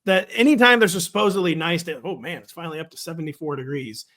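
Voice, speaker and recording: A man co-hosting a casual sports chat, wry and joking, talking quickly and loosely. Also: fairly high pitch, pushed and bright. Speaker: podcast co-host. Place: home in the Midwest.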